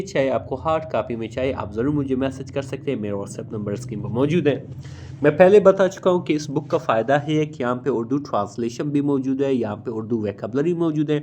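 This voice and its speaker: A man with a South Asian accent teaching English, reading phrases slowly and deliberately, then explaining and repeating them in translation. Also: medium pitch, darkish tone, a little hiss or hum.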